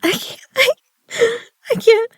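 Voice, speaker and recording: A woman's voice: takes it slowly, a bit bright, dry recording. A woman acting a battered but tough poker player in an audio drama, her delivery strained and gasping. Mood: frightened, pleading.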